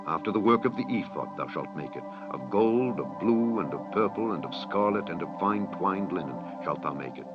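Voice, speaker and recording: A low-pitched male narrator reads scripture in a solemn, formal way. His phrasing is measured and declamatory. The recording is slightly dull and lo-fi, with music clearly playing behind him. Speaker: audiobook narrator reading scripture. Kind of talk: solemn scripted Bible reading. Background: clear background music.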